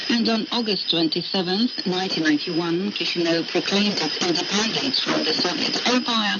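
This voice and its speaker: A woman's voice: mid-range voice, gravelly. Female radio presenter for scripted news report, heard on a dull, very noisy shortwave broadcast.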